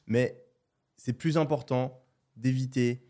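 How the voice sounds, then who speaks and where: A male co-host arguing his point with emphasis in relaxed podcast talk. His voice sits at a middling pitch, and he leans on fillers as he builds each argument. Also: slow. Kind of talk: casual podcast chat.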